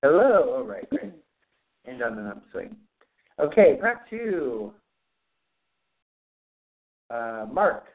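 A man of ordinary pitch leads a spiritual class over the phone, his voice narrow and tinny as if heard through a handset. He speaks plainly and without hurry, calling on people and guiding a prayer. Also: sing-song, slow, long pauses. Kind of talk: teleconference roll call and guided prayer. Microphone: phone call.

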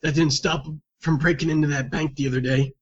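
A man's voice: fairly high pitch, fairly even intonation, a little fast, breathy edge, muffled recording. A man voicing a wary, street-smart male agent in a tabletop game, cagey in casual tough talk.

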